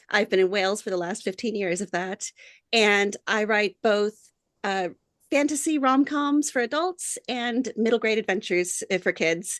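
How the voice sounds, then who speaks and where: A fairly high-pitched woman with an American accent, lively intonation and moderate pace, in a dry, close sound with no echo over a quiet background. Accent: American, slight British shift. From United States. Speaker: fantasy author. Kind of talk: podcast interview.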